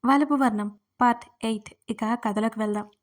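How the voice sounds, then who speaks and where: A woman from India narrating a scripted audio story with expressive storytelling. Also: on the high side, normal speed. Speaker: narrator and writer.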